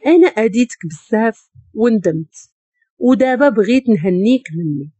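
A woman's voice: fairly high pitch, animated, moderate pace, warm tone, breathy edge, no echo. Cold young husband, read by a Moroccan woman. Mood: dismissive.

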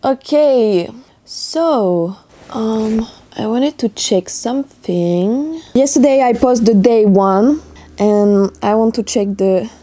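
A young French woman, an athlete vlogger, chats casually in English with a French accent. Her voice sits on the high side, slow and mellow, but hoarse because she has just woken up. She sounds upbeat and chatty, with loose non-native phrasing.

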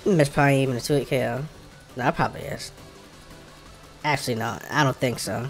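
A man's voice: medium pitch, fairly even intonation, a little fast, gravelly. Man with an African American accent thinking aloud. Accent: African American English. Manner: informal, thinking aloud, muttering to himself. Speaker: streamer playing a video game. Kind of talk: casual gameplay commentary. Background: game music.

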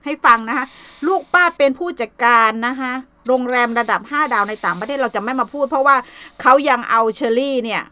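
A woman's voice: high-pitched, brisk, bright, forceful tone. An older woman talking casually in a blunt, coarse, scolding way. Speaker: vlogger. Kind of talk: casual chat. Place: Sweden.

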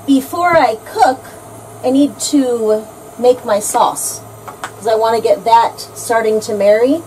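A woman in her forties shows how to cook a dish in a motor home kitchen, explaining each step in plain words. Her voice sits a little high, picked up from across the small room by the camera with a faint hiss. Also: takes it slowly, darkish tone, rough recording. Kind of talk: casual cooking demo. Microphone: camera mic from across the room.

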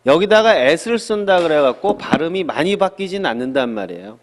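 A middle-aged man teaching an English lesson in a studio, lively and chatty, asking questions and answering them himself. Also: fairly high pitch, brisk, in a large hall. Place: small studio.

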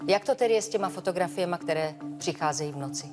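A sharp defense attorney, as a woman plays her, pressing the witness with pointed questions. The courtroom gives a long reverb, with faint music under it. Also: lowish voice, animated, natural voice. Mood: probing. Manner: pointed, probing cross-examination. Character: sharp female defense attorney cross-examining. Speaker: lawyer for the respondent. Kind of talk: scripted courtroom TV show.

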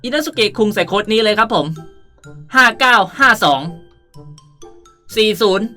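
A young man hosting a casual gameplay tutorial in a playful, animated way with cutesy polite sentence endings. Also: sits high, moderate pace. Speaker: gaming video host. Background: background music.

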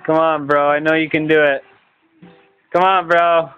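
A man's voice: a little high, flat delivery, moderate pace, over music. A young man, chatting casually in slang, teasing and egging others on at a living-room gathering. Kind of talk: casual party banter. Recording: muffled phone-camera audio.

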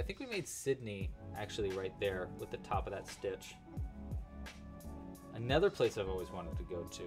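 Chatty young man hosting a crochet stream. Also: medium pitch. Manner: chatty, counts stitches aloud, thanks donors. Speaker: crochet livestream host. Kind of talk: casual livestream crochet tutorial.

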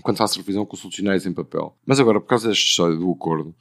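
A man's voice: low voice, very fast, fairly bright tone. Portuguese guy from portugal, language nerd, talks in long wordy bits, keeps restarting, chill podcast chat. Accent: European Portuguese. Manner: erudite, wordy, restarts often. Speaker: writer and language reviser, guest. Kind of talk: casual podcast conversation.

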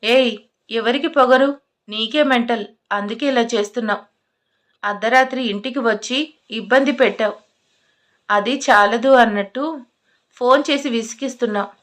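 A woman's voice: fairly high pitch, moderate pace, long pauses, fairly bright tone, lightly acted. A woman voicing a young female college student who answers back, defensive and mocking. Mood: defiant.

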